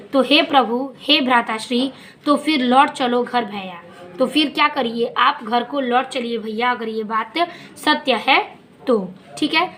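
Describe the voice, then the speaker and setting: A woman with a high voice teaches a poem at an unhurried pace. She reads each verse slowly and then explains it plainly. A faint hiss of noise sits under the recording. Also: fairly bright tone.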